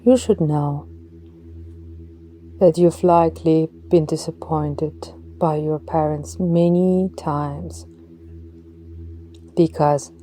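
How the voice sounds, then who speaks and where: A woman leading a guided meditation in a slow, soft voice, some words dropping to a breathy whisper. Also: low voice, steady tone.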